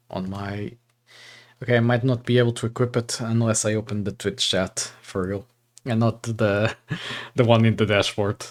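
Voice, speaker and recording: A young man from Portugal talks slowly and loosely on a livestream, filling gaps with ums and uhs. He reads passages aloud into a desk microphone at an unhurried pace, his voice sitting in a middling register. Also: mid-range voice, a little mellow. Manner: slow, rambling, reads text aloud with many fillers. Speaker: streamer. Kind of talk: casual livestream chat and reading.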